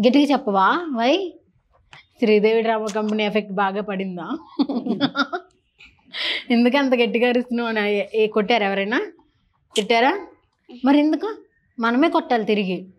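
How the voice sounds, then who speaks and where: A woman's voice: a little high, normal speed, long pauses, dull audio. A woman interviewing children in a casual, teasing and chatty way, holding a handheld mic. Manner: playful, teasing, chatty with kids.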